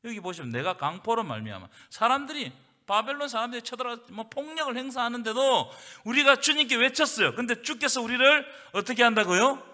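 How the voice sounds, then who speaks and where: A male pastor leads a Bible study in a church hall, preaching with rhetorical questions and urging the congregation to read along. His very high voice is bright and forceful, with lively intonation, a slightly fast pace and few pauses. The hall sounds reverberant.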